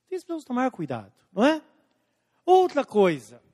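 A man preaching a sermon as pastor, slowing down and stretching out scripture quotes, swinging between emphatic and hushed lines. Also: extremely high pitch, huge pitch swings. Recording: long hall reverb.

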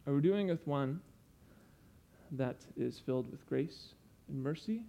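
A man's voice: a little high, expressive, measured pace, gravelly, dark tone. A young man preaching a sermon, earnest and explanatory, stopping to teach with asides.

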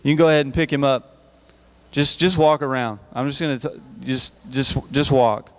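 A man's voice: mid-range voice, fairly even intonation, moderate pace. A man preaching at a youth service in a church hall, talking conversationally and often repeating and restarting his words. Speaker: youth speaker. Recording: reverberant hall.

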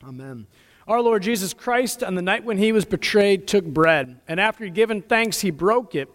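Man leading liturgy, high-pitched voice, solemn measured cadence, cathedral echo, long church reverb. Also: expressive, a bit bright. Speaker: pastor leading worship. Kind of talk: liturgical prayer and communion liturgy. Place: church sanctuary during a service.

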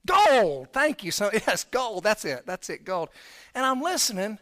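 A middle-aged man preaching a sermon, telling personal stories in a conversational way that swings from quiet to loud emphasis. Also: sits high, big pitch swings, unhurried. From Texas, raised in Florida.

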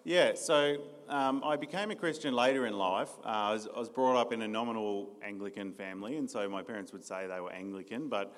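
Being interviewed as a new church staff member, a young Australian shares his testimony earnestly, with plenty of ums and restarts. He talks fairly quickly in a lowish voice with few pauses, and the church hall makes the sound reverberant.

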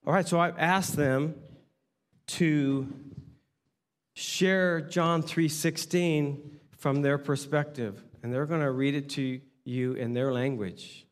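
Upbeat pastor in a reverberant church. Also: male voice, a little high, takes it slowly. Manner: animated, conversational preaching. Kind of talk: sermon. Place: church sanctuary. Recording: long hall reverb.

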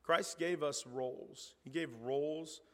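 A middle-aged man preaching a sermon, his voice hoarse, talking conversationally and reading scripture aloud with rising emphasis. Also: fairly high pitch, fairly even intonation, unhurried, a bit bright. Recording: reverberant hall.

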